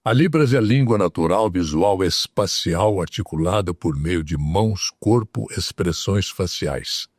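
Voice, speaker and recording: A man's voice: sits low, lively intonation, unhurried, hardly any pauses, darkish tone, breathy edge, dry recording, clean studio sound. A man with a Brazilian Portuguese accent hosting a health talk show, asking his guests questions and passing on viewers' questions. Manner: asks questions, relays viewer questions. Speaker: host.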